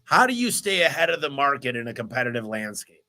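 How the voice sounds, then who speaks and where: A man hosting a live business Q&A, talking in an energetic, motivational, rambling way while congested with a cold. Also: medium pitch, fast talker. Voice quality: stuffy, nasal. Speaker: host of a business Q&A livestream. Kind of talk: live Q&A answering viewer questions.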